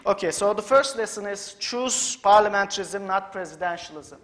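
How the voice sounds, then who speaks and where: A man with as his gives a measured, halting conference lecture in a hall, with frequent fillers. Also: high-pitched, fairly bright tone. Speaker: academic lecturer.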